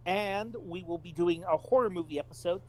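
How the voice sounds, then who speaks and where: A man co-hosts a podcast, chatting casually in a high voice at a fairly quick pace.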